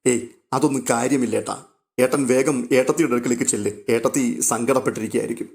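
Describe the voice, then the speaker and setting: A man voicing a gentle younger brother who speaks softly and reassuringly. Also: mid-range voice, fast talker, creaky, close to an everyday voice. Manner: soft, reassuring.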